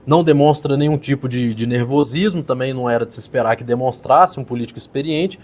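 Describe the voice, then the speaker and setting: A man, a public speaking coach, casually explaining and critiquing a politician's speech as he pauses the clip. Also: mid-range voice, darkish tone. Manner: explanatory, pauses clips to critique, repeats "então". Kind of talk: casual video commentary.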